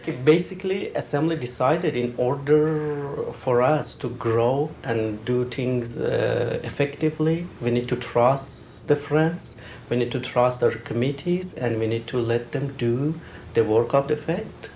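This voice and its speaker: A man's voice: a little slow, a little mellow. A man being interviewed, explaining a decision. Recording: faint low rumble behind voice.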